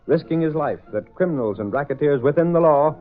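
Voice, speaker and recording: A man's voice: on the high side, animated, fairly quick. Declamatory old-time radio announcer, man. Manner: declamatory, stirring. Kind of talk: dramatic radio show introduction. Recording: tinny old radio broadcast with music.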